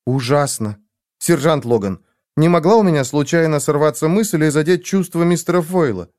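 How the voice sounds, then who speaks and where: A man voicing a lonely, high-strung young woman who pleads and frets. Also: normal speed, a little mellow, dry recording, studio quality, close to an everyday voice.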